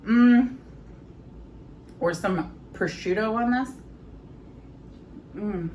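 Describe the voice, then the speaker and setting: A woman in her thirties chatting casually in her home kitchen as she tastes her food, often pausing to savor it with soft hums. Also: lowish voice, expressive, lo-fi sound, slight background noise. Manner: chatty, savoring bites with frequent mm sounds. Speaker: home cooking vlogger. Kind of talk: casual chat while tasting food.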